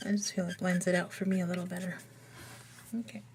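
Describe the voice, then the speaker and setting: Woman with a bit of a froggy voice, lowish, just chatting along while she colors. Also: flat delivery, fast talker, slight background noise. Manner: chatty, thinking aloud while working. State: slightly froggy voice. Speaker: coloring tutorial host. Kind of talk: casual voice-over demonstration.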